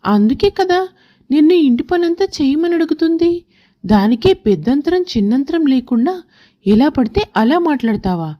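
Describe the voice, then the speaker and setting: An indignant storybook husband, voiced by a woman in a fairly high voice. He is stern and scolding, protective of his parents. The sound is a bit dull. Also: very animated, moderate pace. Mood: reproachful. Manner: scolding, admonishing.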